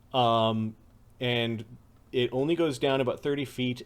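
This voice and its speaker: A man narrating a tabletop game as game master, rambling with many fillers and self-corrections. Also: medium pitch.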